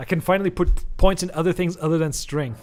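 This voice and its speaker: A man talks at a high pitch. Music plays in the background. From Portugal. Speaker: gaming streamer. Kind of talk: live gameplay commentary. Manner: animated.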